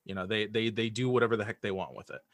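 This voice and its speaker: A man chatting casually as an interview guest, speaking in an animated way and often stammering and restarting his phrases. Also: on the low side, fast talker, no room sound, clean studio sound. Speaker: audio drama creator and writer, interview guest.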